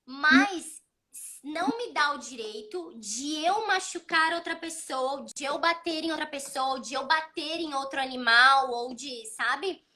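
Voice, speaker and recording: A woman in her thirties, hosting a child psychology talk, explaining calmly and telling stories about her son with acted-out dialogue. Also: high voice, unhurried. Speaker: child psychology channel host. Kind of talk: casual advice talk.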